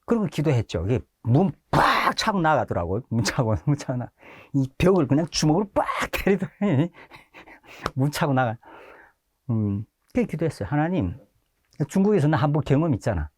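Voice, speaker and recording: Pastor guy, middle-aged, animated storytelling, dry mic. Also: a little high, normal speed, husky, no room sound. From North Korea. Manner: lively storyteller, acts out quoted shouts, laughs often. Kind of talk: testimony storytelling.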